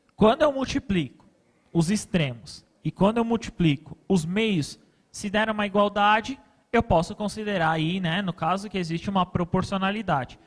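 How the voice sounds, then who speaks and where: Moderately paced speech from a man, high in pitch with ordinary pitch variation. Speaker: math teacher. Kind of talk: lesson.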